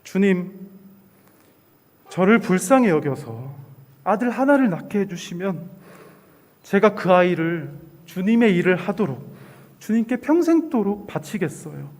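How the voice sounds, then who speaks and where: A man voicing a grieving young woman who prays and pleads slowly in a retold Bible story. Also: high voice, very animated, a little mellow, big-room sound, exaggerated voice. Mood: pleading.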